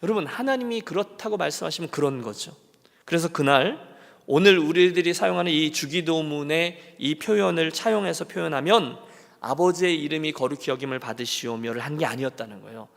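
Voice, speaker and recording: A man's voice: a little high, fairly quick, creaky, a bit bright. A male pastor preaching a sermon and asking his congregation questions as he talks. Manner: acts out quoted lines of people and God. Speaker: senior pastor. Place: church sanctuary. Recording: long church hall reverb.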